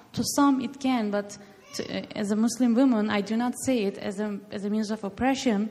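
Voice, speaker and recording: A woman's fairly high voice at a moderate pace, with fairly even intonation and noticeable background noise. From Turkey. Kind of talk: panel discussion.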